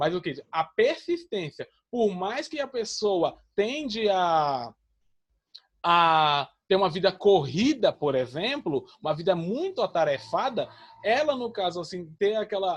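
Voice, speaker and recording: Speaking at a very slow pace, a man with a high voice makes very wide pitch swings. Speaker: Sunday school teacher. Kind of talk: bible class lesson. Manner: halting, many self-corrections.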